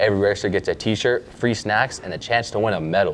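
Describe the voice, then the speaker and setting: A man with a plain, everyday voice, a fairly low pitch and a fairly quick pace, over light background noise. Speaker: student announcer. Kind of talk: read announcements. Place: studio.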